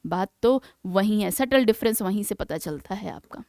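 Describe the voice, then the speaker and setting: A woman teaching English vocabulary for exam preparation, explaining in Hindi and reading English example sentences slowly and deliberately, often checking in with her students. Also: mid-range voice, lively intonation, mellow, no echo. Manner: keeps checking in with "है ना". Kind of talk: exam-prep vocabulary lesson.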